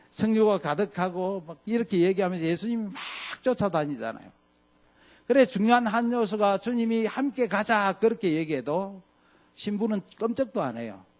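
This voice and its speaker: A man preaching a sermon as pastor, swinging from loud peaks to hushed lows and acting out scripture quotes. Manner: acts out scripture quotes in dramatic voices.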